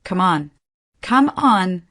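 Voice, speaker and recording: A young woman caregiver who keeps her voice quiet and steady despite her fear, as played by a woman narrator. The pace is slow and the pitch sits low. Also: exaggerated voice. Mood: urgent. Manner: quiet, whispered lines. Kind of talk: dramatized storybook quotes.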